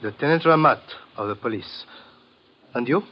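An actor in a 1950s radio drama playing a measured, authoritative Burmese police lieutenant who speaks formally. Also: male voice, mid-range voice, close to an everyday voice. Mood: stern, formal. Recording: dull old radio recording.

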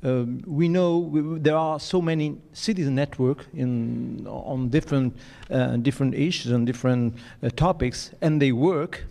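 Gravelly man with an Italian accent. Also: mid-range voice, dark tone. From Italy. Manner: halting, many restarts and fillers. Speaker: development agency panelist. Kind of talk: panel discussion.

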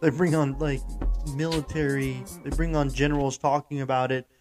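American male podcast host, mid-pitched, informal and rambling, emphatic commentary over clearly audible music. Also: level tone, normal speed. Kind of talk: casual commentary to listeners.

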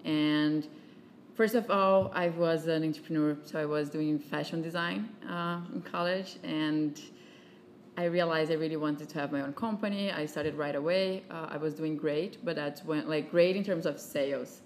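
Woman, 30s, Brazilian Portuguese accent, deep voice, chatty, faint background hum. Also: fairly even intonation, moderate pace. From southern Brazil. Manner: chatty, many fillers, laughs often. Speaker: guest, venture capitalist. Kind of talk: casual interview chat.

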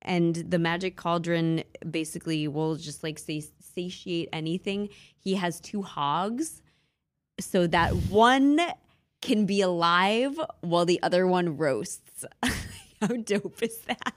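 A woman's voice: lowish voice, slow pace. Chatty woman retelling myths with fillers. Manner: chatty, many fillers, giggly. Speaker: podcast co-host. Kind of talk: casual chat about mythology.

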